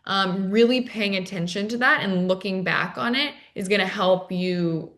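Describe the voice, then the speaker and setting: A woman's voice: medium pitch, normal speed, fairly bright tone. A woman speaking as a dating coach guest in an interview, giving articulate, explanatory advice and posing rhetorical questions.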